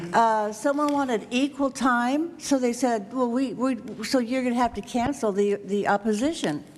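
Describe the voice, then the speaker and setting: A fairly slow American-accented woman's voice, fairly high in pitch with ordinary pitch variation, over noticeable background noise. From Oregon, US Pacific Northwest. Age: 70s. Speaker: public commenter at city council. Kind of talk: public comment. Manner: halting, many fillers.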